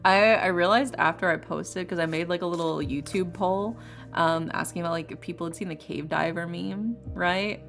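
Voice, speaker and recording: Texan woman, low gravelly voice, music behind. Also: normal speed, fairly bright tone. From Texas. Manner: rambling, filler-heavy, swears casually. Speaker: streamer. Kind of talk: casual stream chat. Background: lofi music.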